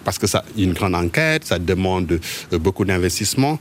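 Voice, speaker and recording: Low-voiced journalist guy from mauritania, lots of stops and repeats, bit of faint noise behind. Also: expressive. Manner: halting, with frequent word repetitions. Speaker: journalist interviewee. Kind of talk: conversational interview answers.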